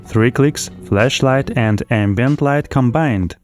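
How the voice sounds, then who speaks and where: A man's voice: medium pitch, slow pace, soft background music. A man reading scripted voice-over narration as a product reviewer. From lives in Spain.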